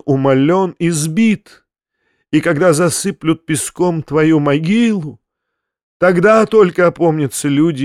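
A man reading a hysterical, self-pitying man who declaims in slow, wailing outbursts. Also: fairly high pitch, no echo, clean studio sound, voice pushed up.

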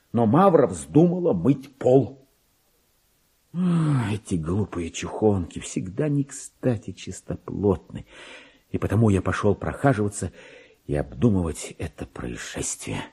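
An actor playing an excitable, self-important, paranoid petty clerk in a theatrical radio monologue, with a husky voice and volatile delivery that swings between confiding and outbursts. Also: male voice, lowish voice, exaggerated voice. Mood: smug scheming. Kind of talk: dramatic monologue reading in a radio play.

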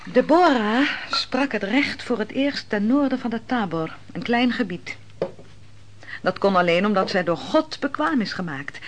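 A woman playing a shrewd, mocking wine server in a radio play, speaking in a measured, didactic and theatrical way. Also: on the high side, animated, slight background noise. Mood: solemn, didactic. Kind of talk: Dutch radio play acting.

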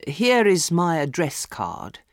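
A woman voicing a sly, nervous older male palmist who speaks low and evasively. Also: wildly swooping pitch, slow pace, no echo, clean studio sound, exaggerated voice.

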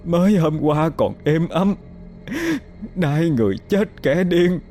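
A man voicing a sharp-tongued older mother in a horror story, wailing and frantic. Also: animated, slow pace, a little hiss or hum. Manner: wailing, shrill.

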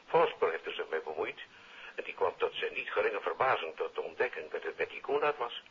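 An actor playing a brisk, dismissive senior police official on the telephone in a 1950s radio drama, authoritative, with a Netherlands Dutch accent. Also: male voice, deep voice, sing-song, a little hiss or hum. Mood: matter-of-fact. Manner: authoritative, matter-of-fact. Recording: dull old radio recording.

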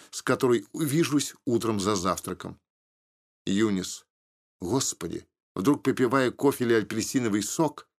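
A man reading a novel aloud in the first person, at a measured, even pace. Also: mid-range voice. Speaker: audiobook narrator. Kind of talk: first-person scripted narration.

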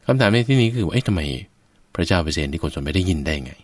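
A man's voice: low voice, big pitch swings, fast, a little mellow, no echo. A man giving a Buddhist sermon, addressing his listeners directly and explaining with everyday examples. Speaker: Buddhist preacher.

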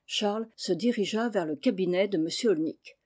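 A woman narrating a classic novel aloud in a measured storytelling manner. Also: mid-range voice, a little mellow, breathy edge. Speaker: audiobook narrator. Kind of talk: scripted literary narration.

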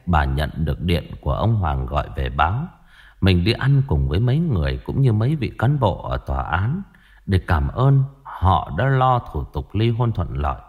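A man narrating a ghost story in a lively way. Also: low-pitched.

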